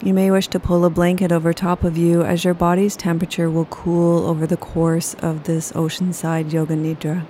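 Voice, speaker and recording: A woman leading a guided yoga nidra meditation, speaking slowly and soothingly. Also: lowish voice, little pitch movement, dark tone, a little hiss or hum. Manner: slow, soothing, unhurried.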